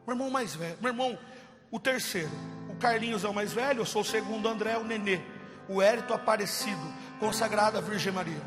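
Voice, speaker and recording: Impassioned high-voiced male preacher. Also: fast talker, long reverb tail, over music. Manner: impassioned, swings from loud cries to hushed. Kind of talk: testimony sermon.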